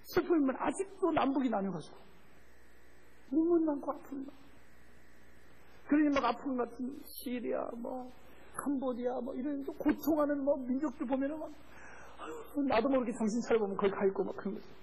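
A man preaching as a missionary, telling a story with lively acted-out quotes and frequent laughter. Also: extremely high pitch, fairly quick, muffled recording. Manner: animated, acts out voices in quotes, laughs often. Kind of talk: sermon with storytelling.

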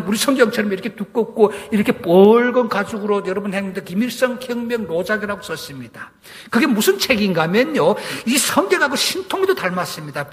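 A man's voice: very high voice, fairly bright tone, in a large hall. A man from Korea, giving an emphatic testimony sermon to a congregation and asking them rhetorical questions. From North Korea. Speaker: testimony speaker at a church.

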